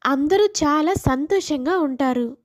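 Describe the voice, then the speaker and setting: A woman's voice: high voice, expressive, measured pace. A woman storyteller giving scripted narration of a moral family tale.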